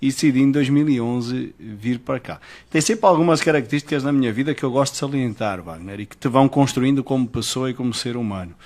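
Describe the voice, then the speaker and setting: A man talks at a fairly quick pace with hardly any pauses, his pitch medium and its variation ordinary. The recording is very clean, with a silent background. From Portugal. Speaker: civil engineer, construction union president. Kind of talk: podcast interview.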